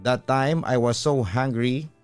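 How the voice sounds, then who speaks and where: A man's voice: mid-range voice, slow pace, clean tone. Filipino man narrating a story over music. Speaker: radio host reading a listener's letter. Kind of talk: dramatic first-person story narration.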